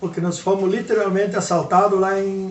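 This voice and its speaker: Over noticeable background noise and audible room echo, a man talks at a moderate pace with a high pitch. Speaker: former amateur footballer. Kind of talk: interview testimony. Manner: halting, repeats words.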